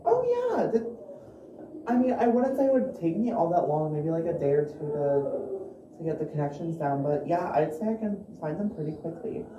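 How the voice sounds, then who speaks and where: A woman playing an excitable, eager internet sleuth with an emphatic manner in found-footage style. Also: fairly low pitch, moderate pace, recorded from a distance, muffled recording. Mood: confident. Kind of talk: improvised found-footage acting. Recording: echoey, noisy room, off the microphone.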